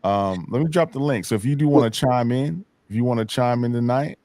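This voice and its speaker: A man hosting a casual hip hop talk show, rambling in a relaxed way and often repeating himself. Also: mid-range voice, fairly quick, no room sound. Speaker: podcast host. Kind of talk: casual chat.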